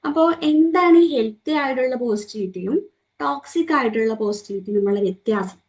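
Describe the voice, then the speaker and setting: A woman's voice: on the high side, lively intonation, brisk, darkish tone. Malayali woman trainer asking the group questions. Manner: asks the listeners questions and acts out quoted remarks. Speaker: trainer leading a morning session. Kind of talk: interactive talk to a group.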